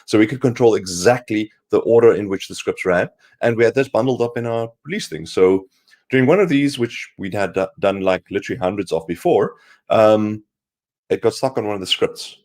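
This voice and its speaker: A man co-hosting a casual tech livestream, hoarse from a cold, explaining things in a rambling way with lots of fillers. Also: fairly low pitch, fairly quick, a little mellow. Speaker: co-host.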